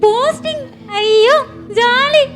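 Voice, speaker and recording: A cheerful, honest office girl, as a woman plays her speaks in a very high, slow, sweet voice. Music plays loudly beneath her. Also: heavily acted. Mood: overjoyed. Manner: sweet, excited. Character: honest young female office worker, cheerful.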